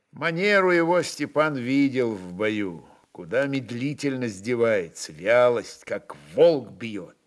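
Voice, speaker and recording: Неторопливый мужчина-рассказчик. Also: male voice, medium pitch. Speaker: narrator. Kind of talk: dramatic literary narration for radio.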